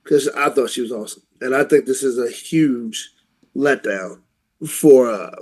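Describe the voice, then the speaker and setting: A man's voice: medium pitch, measured pace, darkish tone. A man co-hosting a casual talk show, giving informal opinions and rephrasing as he goes.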